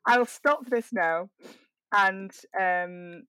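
A woman's voice: mid-range voice, drawn-out words, pushed and bright, clear, resonant tone, no echo, poor audio. A woman chatting casually and wryly as she hosts a group session. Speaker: host organising an audio drama table read. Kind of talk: casual chat.

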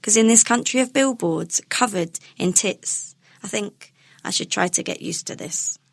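A woman's voice: medium pitch, measured pace, vocal fry. A young woman performing rhyming spoken word poetry in an emphatic, indignant, cadenced delivery.

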